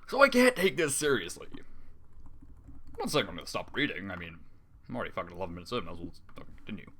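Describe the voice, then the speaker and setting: A man's voice: deep voice, sing-song, fast talker, fairly bright tone, slight background noise. A man reading fan fiction aloud with running commentary, exasperated and sarcastic, swearing often.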